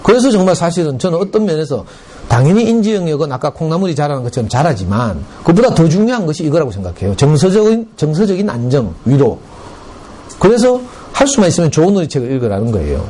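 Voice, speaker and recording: A middle-aged man with a Gyeongsang Korean accent giving a parent education lecture in a school room, telling stories with lively, dialect-colored asides. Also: a little high, fast talker. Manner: lively storytelling with dialect and acted quotes.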